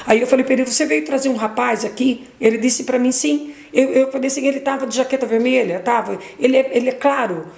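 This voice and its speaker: A middle-aged woman giving an emotional testimony as a mother, retelling dialogue, repeating words, her voice leaping high at intense moments. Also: fast, gravelly, hardly any pauses, darkish tone, reverberant.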